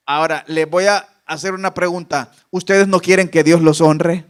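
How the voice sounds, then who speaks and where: A man's voice: fairly high pitch, steady tone, normal speed, clear, resonant tone. A male pastor preaching a fervent sermon, exhorting the congregation with repeated questions.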